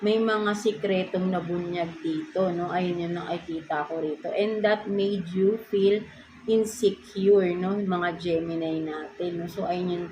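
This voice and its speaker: A woman's voice: on the low side, fairly even intonation, a little slow. A woman with a Filipino accent giving a casual tarot reading, chatty and ending almost every phrase with a questioning "no?". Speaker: tarot reader. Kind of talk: casual tarot reading, mixing Tagalog and English. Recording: clear background noise.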